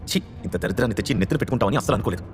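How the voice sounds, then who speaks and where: A man voicing a haughty, angry, wealthy middle-aged mother who scolds loudly. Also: on the low side, lively intonation, rapid-fire, big-room sound, soft background music, lightly acted. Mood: furious. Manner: scolding, scornful, loud.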